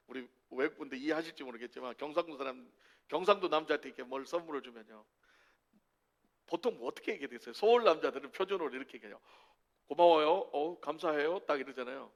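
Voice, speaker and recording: A man's voice: a little high, creaky, fairly bright tone. A man from Korea preaching a sermon as pastor, asking rhetorical questions and mixing humor into his preaching.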